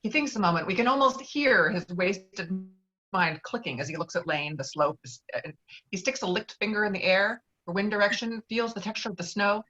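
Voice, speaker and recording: A woman's voice: medium pitch, animated, a little fast, pushed and bright. Woman narrating a screenplay, slightly dull sound. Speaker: narrator reading stage directions. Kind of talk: scripted narration at a virtual table read. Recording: dull, lo-fi online call.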